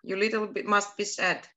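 Bright-voiced woman teaching beginners. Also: mid-range voice. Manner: slow, repeats words and gives English glosses. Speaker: Finnish teacher. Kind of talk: online beginner language lesson.

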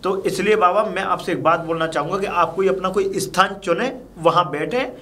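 A man's voice: high-pitched, fairly quick, bright, forceful tone. A man acting a firm but polite new police inspector in a village crime drama, lecturing and giving orders. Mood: stern. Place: outdoors in a village.

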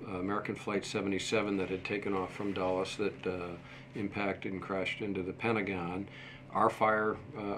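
A man in his sixties speaks with a low voice as an interview guest. His phrasing is measured and hesitant, with pauses. He is recorded at a table microphone with clear room noise behind him. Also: a bit bright. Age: 60s. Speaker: interview guest, museum deputy director and former airport manager. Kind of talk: interview answers. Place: small indoor office set. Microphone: desktop microphone shared at a table.

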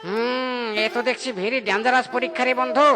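A man's voice: very high-pitched, steady tone, moderate pace, over music. A man voicing a cocky, clever monkey friend in a cartoon who drops English slang. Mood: teasing. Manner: breezy, mixes English slang. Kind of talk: cartoon voice acting.

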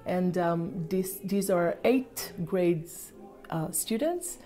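A woman's voice: on the low side, expressive, extremely slow, warm tone, faint music behind. A woman academic answering thoughtfully in an interview, with many fillers, in a library room.

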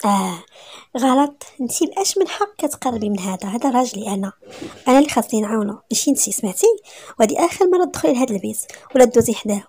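A woman with a Moroccan accent voicing a desperate, lovesick young wife in a husky voice. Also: a little high, dark tone. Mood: angry.

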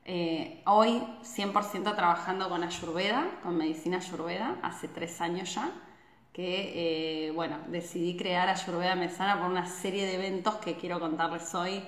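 A woman in her thirties from Argentina with an Argentine Spanish accent, hosting a casual live stream, chatty and full of tag questions, filmed on a phone at arm's length in a small indoor room. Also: lowish voice. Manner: chatty, frequent tag questions, animated hand gestures. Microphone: phone camera at arm's length. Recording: echoey room.

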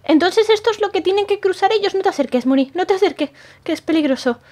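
A woman's voice: very high voice, lively intonation, quick pace, darkish tone. A woman playing a jumpy young woman in an improvised game roleplay, stammering and repeating words when startled. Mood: jittery, flustered. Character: jumpy young woman, easily frightened and fussy. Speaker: roleplay channel host.

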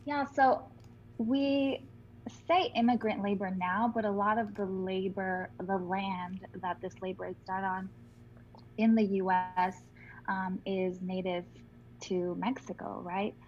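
A woman in her thirties, a postdoctoral scholar, explaining in a measured way on a video call from home. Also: mid-range voice, fairly even intonation, highs cut off, slight background noise. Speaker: guest scholar. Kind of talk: academic panel answer. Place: home living room, indoors. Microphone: video call with earbuds.

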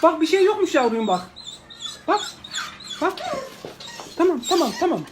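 A man's voice: very high voice, very animated, normal speed, noisy background. A man in his forties from Turkey, rescuing an animal, talks in a soothing, coaxing way and repeats short words again and again. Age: 40s. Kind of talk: unscripted phone video.

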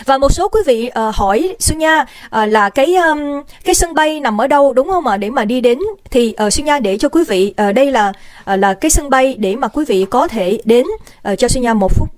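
A woman's voice: high voice, expressive, normal speed, no room sound. A woman hosting a casual livestream, chatty and bubbly, greeting viewers by name and mixing in English phrases. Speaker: livestream host. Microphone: desk microphone.

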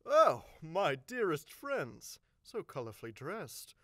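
A man's voice: fairly high pitch, wildly swooping pitch, slow pace, a bit bright, no echo, clean studio sound, exaggerated voice. A man acting a merry, theatrical schoolboy in a stage play, with florid delivery, in a comedic audio drama. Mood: merry, grand. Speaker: actor.

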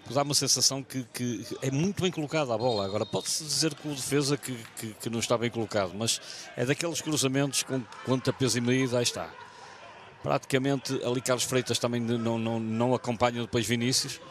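Male co-commentator, European Portuguese accent, average pitch, halting analytical football talk with repeated words. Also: a little hiss or hum.

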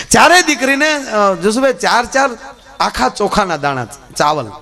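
Lively male folk storyteller. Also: high-pitched. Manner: lively, swings between loud and soft asides. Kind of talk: live folk storytelling on stage.

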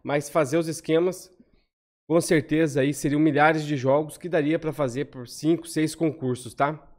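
Brazilian man, thirties, slightly high voice, casual screen-share walkthrough, quick chatty delivery, tag questions. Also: steady tone, a little mellow. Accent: Brazilian Portuguese. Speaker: lottery analysis host. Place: home room, on webcam over screen share.

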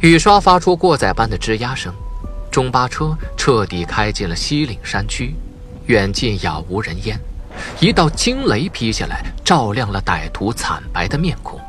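A man's voice: mid-range voice, big pitch swings, normal speed, fairly bright tone, soft background music. A man narrating a suspense audiobook in a dramatic, scripted storytelling style.

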